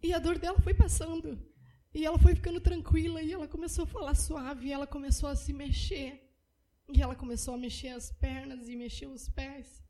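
A woman's voice: high-pitched, fairly even intonation, a little fast, mellow, poor audio. A young woman telling an emotional personal testimony in church, retelling a story at length and repeating herself. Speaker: church member giving testimony.

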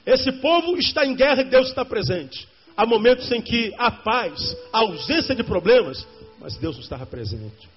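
A man's voice: very high voice, big pitch swings, moderate pace. A male pastor preaching a sermon, addressing the congregation directly and repeating key lines for emphasis. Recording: dull lo-fi sermon recording with faint music.

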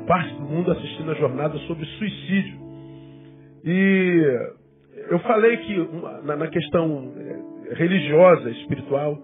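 Brazilian guy around 50, rio accent, preaching, higher-ish voice, tinny sound w guitar music behind. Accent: Brazilian, Rio de Janeiro. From Rio de Janeiro, Brazil. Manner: repeats and rephrases words for emphasis. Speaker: pastor preaching. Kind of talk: sermon, conversational teaching to a congregation.

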